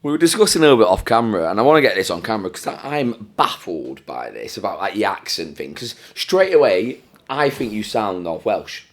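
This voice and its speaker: A man's voice: lowish voice, big pitch swings, fairly quick, few pauses. A man hosting a podcast, asking questions in a friendly, matey, casual way. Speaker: podcast host. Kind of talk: casual interview chat.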